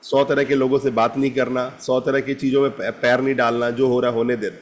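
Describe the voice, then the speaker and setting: A man's voice: medium pitch, little pitch movement, a little fast. A middle-aged man teaching a live group self-help session, talking directly to participants by name and often checking they follow along. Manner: direct, addresses participants by name, repeats "ठीक है ना?".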